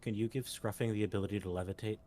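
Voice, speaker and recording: Low-voiced joking man, noisy mic. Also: steady tone, very fast, mellow. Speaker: tabletop game player. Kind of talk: casual in-game chat.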